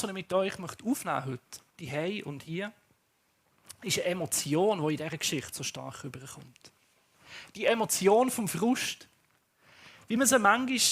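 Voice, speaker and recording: A male pastor with a Swiss accent preaches a sermon. He tells the story in an animated way, acting out its characters in a high voice.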